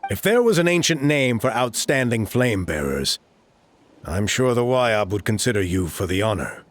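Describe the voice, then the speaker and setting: A man's voice: lowish voice, sing-song, normal speed. An actor playing an earnest male tribal elder recruiting a hero, in a video game. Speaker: village elder.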